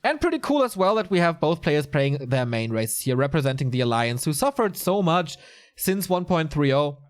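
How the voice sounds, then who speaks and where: Lively solo esports caster, man. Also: fairly high pitch, moderate pace. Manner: lively, chatty, answers viewer chat mid-commentary. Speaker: esports commentator. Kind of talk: solo live game commentary.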